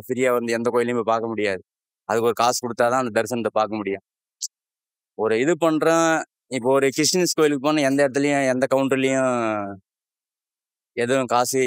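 Middle-aged man, fast talker, emphatic, clear dry close mic, handheld mic on a footbridge. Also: mid-range voice, no room sound. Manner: emphatic, rhetorical questions. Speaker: passer-by in street interview. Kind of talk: street vox pop answers. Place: footbridge stairway outdoors. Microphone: handheld interviewer mic.

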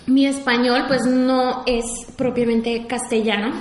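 In an echoey university lecture hall, a Mexican woman in her twenties with a Mexican Spanish accent gives an informal public talk to an audience as an invited speaker and war veteran. Her voice is a little high, level and unhurried, full of fillers and restarts, with slight background noise.

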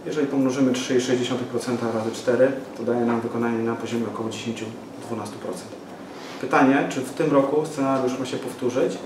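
A local party activist in his forties gives a statement at a press conference, speaking fast at medium pitch with fairly even intonation. He hesitates, fills pauses, and restarts often. A distant camera mic in a small office room with a window picks him up echoey and noisy.

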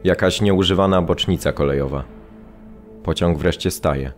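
A man acting as a prisoner recalling a deportation, narrating gravely in short, clipped phrases. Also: low voice, normal speed, faint music behind, close to an everyday voice. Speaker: actor reading a prisoner's account. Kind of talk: scripted documentary radio-drama narration, terse present-tense recollection.

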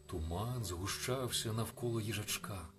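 A man reading a bedtime story on the radio in a calm, soft, reflective manner. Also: fairly low pitch, unhurried. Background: faint music.

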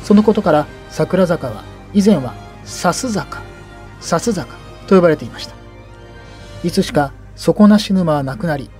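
Male history narrator, somewhat high-pitched, soft mellow tone, explanatory guide delivery. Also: expressive, unhurried, soft background music.

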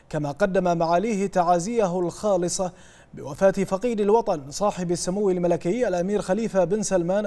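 A man reading a formal news report as a news reader, in a measured broadcast delivery. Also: sits high, warm tone. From Bahrain.

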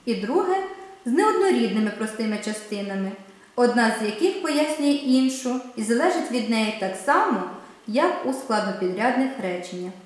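A woman teacher giving a recorded grammar lesson, reading the rules steadily and speaking the examples with expressive intonation. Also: fairly high pitch, moderate pace. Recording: very echoey room.

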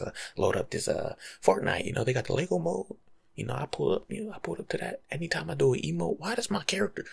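A young American man giving casual, slangy life-coach advice in an ASMR monologue, breathy and often dropping to a whisper. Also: mid-range voice. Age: young adult. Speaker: ASMR video creator. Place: small room at home, indoors.

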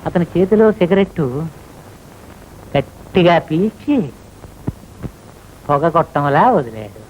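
A man's voice: fairly high pitch, sing-song, a little slow, dull audio, noisy background. An actor playing a writer who declaims the story he is writing in a film comedy. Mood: declaiming. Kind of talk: dictating a story aloud.

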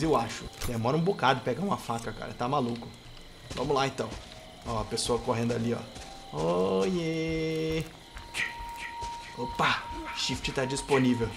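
This Brazilian-accented man is a gameplay YouTuber who jokes and trash-talks over his game, now and then breaking into thrilled yells. He speaks at a medium pitch.

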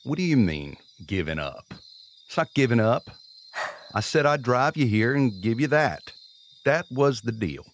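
Audio drama worn-out injured guy: wry, resigned, medium pitch, lively inflection. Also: unhurried, slight background noise. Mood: resigned, irritated. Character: weary, resigned injured man, self-deprecating. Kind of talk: naturalistic audio drama acting.

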